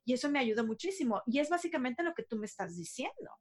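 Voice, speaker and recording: A woman's voice: high-pitched, sing-song, fast talker. A woman hosting a casual interview, telling stories animatedly and laughing at herself. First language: Spanish. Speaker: host.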